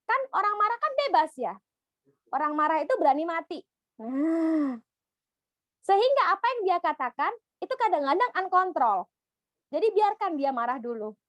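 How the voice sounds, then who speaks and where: A woman psychologist answers questions in an online talk, speaking in a lively way and acting out other people's voices. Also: extremely high pitch, normal speed, no echo. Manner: lively, acts out the voices of children and clients. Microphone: video call.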